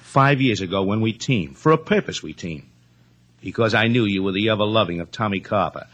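A pushy hotel comedian in an old radio play, needling and sly. His pitch swings widely and his voice is bright and forceful, with a husky edge. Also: animated, brisk. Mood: sly, menacing. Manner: wisecracking, pushy, repeats himself. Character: brash, needling hotel comedian turned menacing schemer. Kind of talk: 1950s radio drama acting.

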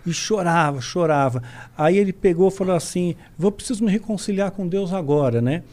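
Brief: Brazilian man, higher voice, lively storyteller who acts out every quote. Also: brisk, slight background noise. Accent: Brazilian Portuguese. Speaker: podcast guest. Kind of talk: casual storytelling.

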